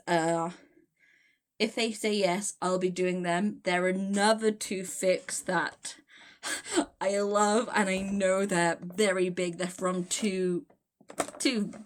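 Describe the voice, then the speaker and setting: A woman with a mid-range voice hosts a casual read-aloud and reaction session. She is giggly and gushing in manner. Her delivery rambles and trips over words as she goes. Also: medium pitch. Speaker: host of a fan fiction reading series.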